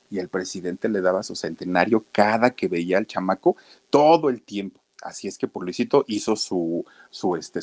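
A man's voice: lowish voice, darkish tone. A man with a Mexican accent telling a story to viewers in a chatty, folksy way, talking straight to his listeners. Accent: Mexican Spanish.

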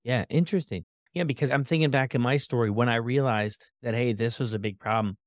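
A man hosting a podcast, chatty and relaxed, often tagging "right?" onto his points. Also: medium pitch, fairly quick, no echo, studio quality. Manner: relaxed, chatty, leans on fillers like "right?" and "you know". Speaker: podcast host. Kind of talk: conversational interview.

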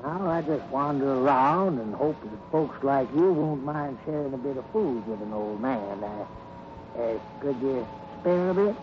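A man's voice: mid-range voice, animated, measured pace, close to an everyday voice. A man playing a genial, wistful old hobo with folksy talk in a 1950s radio western. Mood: humble. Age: older. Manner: folksy drawling phrases, chuckling. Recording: noisy, muffled old radio recording.

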